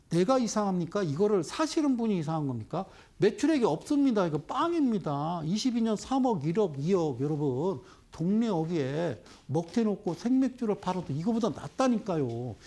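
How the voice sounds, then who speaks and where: Korean stock show guy, high voice, goes up and down a lot, keeps scolding with questions. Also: dark tone. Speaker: stock market commentator. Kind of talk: investment broadcast commentary.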